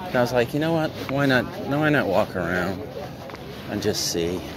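A man's voice: medium pitch, lively intonation, normal speed. A man vlogging casually, joking and narrating as he browses sales outdoors and drives, filming on a phone. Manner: chatty, joking, self-narrating. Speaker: reseller vlogger. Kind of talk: casual chat. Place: outdoors at a flea market and in a car. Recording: noisy outdoor phone recording.

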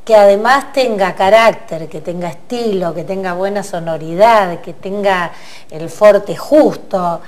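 A middle-aged woman hosting a TV studio talk show, lively and chatty, jumping in with quick remarks. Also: medium pitch. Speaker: TV host. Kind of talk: casual TV chat. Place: TV studio set at a table.

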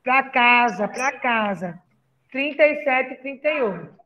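A woman's voice: sits high, animated, measured pace, highs cut off, slight background noise. A woman teacher with a Brazilian Portuguese accent, patiently explaining a lesson and asking questions. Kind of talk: classroom lesson.

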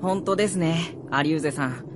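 A man playing an earnest, polite young soldier, hesitant and soft-spoken, in a Japanese fantasy radio drama. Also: fairly high pitch, brisk, noisy background, close to an everyday voice. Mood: calm. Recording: studio drama with music behind.

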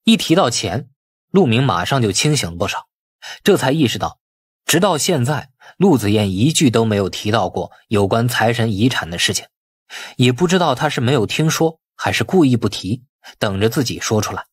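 A male audiobook narrator with a slightly husky voice tells a dramatic story. His pitch is mid-range but moves in lively swings, and the sound is dry and studio-close. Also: moderate pace, no echo.

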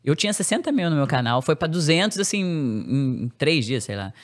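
A woman guest on a podcast, telling a personal story in casual, slangy speech and acting out the quoted lines with big jumps in pitch. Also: normal speed. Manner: animated, acts out quoted dialogue with sharp pitch jumps; casual slangy speech, many fillers and restarts.

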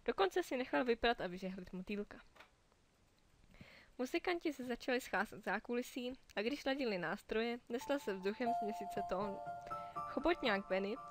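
A woman's voice: on the high side, expressive. Woman reading a children's story. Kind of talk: read-aloud children's story. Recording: dry close mic over soft music.

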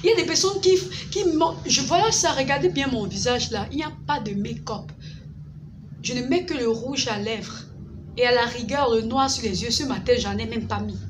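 Young woman, skincare seller, high voice, frank and forceful, talks straight to camera and fires off rhetorical questions. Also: moderate pace, noisy background. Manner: candid and emphatic, with rhetorical questions. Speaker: skincare vlogger and beauty product seller. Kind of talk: direct-to-camera vlog monologue.

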